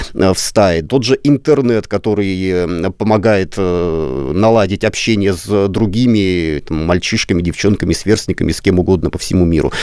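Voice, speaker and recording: A man's fairly low voice, an ordinary speaking voice with ordinary pitch variation. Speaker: radio host. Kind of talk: radio talk show. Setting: studio.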